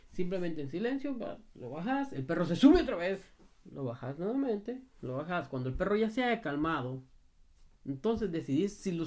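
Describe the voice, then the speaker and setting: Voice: medium pitch, darkish tone. A dog trainer answering a viewer's question in a casual advice video, talking straight to the viewer and repeating points with a frequent "ok?". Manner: emphatic and repetitive, often asks "ok?"; talks straight to the viewer in familiar second person.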